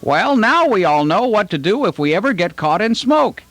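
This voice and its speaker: A man's voice: high-pitched, sing-song, moderate pace, fairly bright tone, faint music behind, heavily acted. A man voicing a friendly puppet host who patiently explains fire safety to children in a puppet show. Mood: instructive. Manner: patient, instructive, talks to children.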